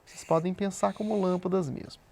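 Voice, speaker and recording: Um homem dando uma aula gravada de física, explicando com paciência e conferindo a compreensão dos alunos a cada passo. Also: male voice, sits high, fairly even intonation, a little fast, gravelly, a little mellow. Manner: patient, explanatory, often checks in with "tá?". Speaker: physics teacher. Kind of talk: recorded remote class lesson. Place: studio with a flip chart.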